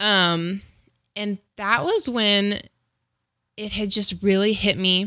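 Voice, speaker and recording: This woman has a bright, sharp tone at a medium pitch, with fairly even intonation. She talks at a very slow pace with long, frequent pauses. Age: 20s. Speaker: cancer survivor. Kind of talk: casual chat.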